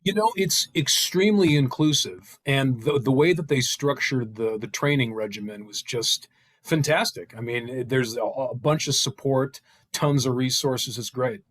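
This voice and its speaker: Middle-aged man chatting haltingly, dry close sound. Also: mid-range voice, fairly bright tone, no room sound. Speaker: table read participant. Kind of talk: casual chat. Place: at home on a video call. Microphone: video call.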